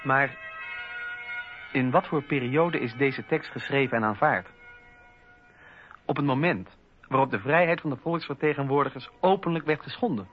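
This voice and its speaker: An actor playing a principled French Enlightenment philosopher, reciting political writings in an earnest, rhetorical manner with a husky voice. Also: male voice, medium pitch, moderate pace, pauses often, soft background music, natural voice. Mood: indignant. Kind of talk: dramatised reading of political writings. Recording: dull, muffled radio recording.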